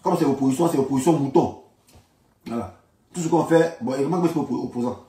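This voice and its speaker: A man's voice: medium pitch, quick pace, warm tone. A man with an Ivorian accent giving informal political commentary, colloquial and repeating phrases for emphasis. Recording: echoey room, distant from microphone.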